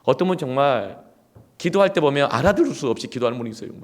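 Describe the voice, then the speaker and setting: A male pastor preaching a sermon through personal stories, emphatic and swinging from hushed asides to loud outbursts. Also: mid-range voice, lively intonation, fast.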